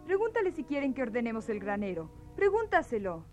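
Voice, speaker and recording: A woman playing a bold, sassy peasant woman in a theatrical radio play, sharp-tongued and exclamatory. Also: fairly high pitch, wildly swooping pitch, fairly quick, faint music behind. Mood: curious.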